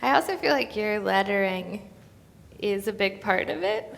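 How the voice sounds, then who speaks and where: A woman's voice: mid-range voice, normal speed, gravelly. A woman interviewing on stage in a casual, chatty and informal way. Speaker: interviewer presenting cartoons. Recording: echoey hall with long reverb.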